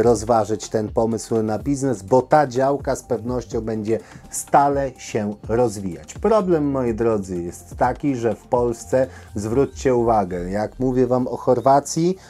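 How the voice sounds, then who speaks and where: Guy doing a casual news rundown for viewers, soft mellow tone, mid pitch, opinionated, bit halting. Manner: opinionated, addressing viewers directly. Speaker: host of a camping news show. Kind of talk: informal news commentary to viewers.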